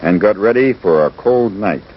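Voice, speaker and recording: A man's voice: fairly low pitch, animated, normal speed, highs cut off, a little hiss or hum. A man delivering scripted first-person narration as the narrator of a wildlife documentary. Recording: band-limited old 16mm educational film soundtrack. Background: loud background music.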